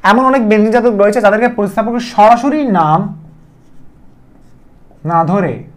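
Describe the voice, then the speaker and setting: A man's voice: high voice, normal speed. A man with a Bangladeshi Bengali accent giving a chemistry video lecture, repeating key terms and quizzing the viewer with questions. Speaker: chemistry teacher.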